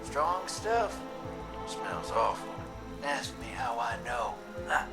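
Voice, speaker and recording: A man's voice: medium pitch, big pitch swings, takes it slowly. A man playing a roguish, folksy drifter in a video game, wisecracking and teasing in a laid-back drawl. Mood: sly. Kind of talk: video game dialogue acting. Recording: music behind the voice.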